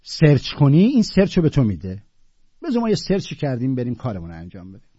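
A man's voice: mid-range voice, wildly swooping pitch, warm tone, husky, dry recording, muffled recording. A man teaching classical Sufi poetry, reciting verses with rising emphasis and then explaining them in loose, casual talk.

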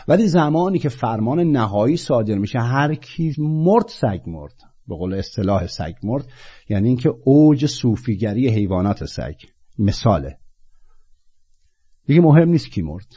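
A man giving an impassioned spiritual talk, swinging from low murmurs to loud, animated bursts. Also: husky. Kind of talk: impassioned monologue. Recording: dull lo-fi recording.

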